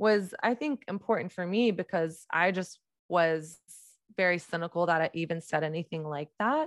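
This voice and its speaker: Recorded very cleanly with a silent background, a woman with an ordinary speaking voice and a medium pitch talks at a moderate pace with ordinary pitch variation. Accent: American. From Texas, Dallas. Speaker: author and podcast host. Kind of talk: interview.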